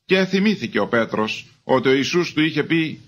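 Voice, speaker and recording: A man giving a measured, formal reading of scripture as a Bible reader. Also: fairly high pitch, animated, a bit bright, lo-fi sound.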